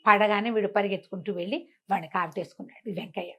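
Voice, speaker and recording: A woman's voice: mid-range voice, quick pace, breathy edge. A woman storyteller narrating a folk tale conversationally, repeating phrases and acting out dialogue. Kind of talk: animated oral folk storytelling.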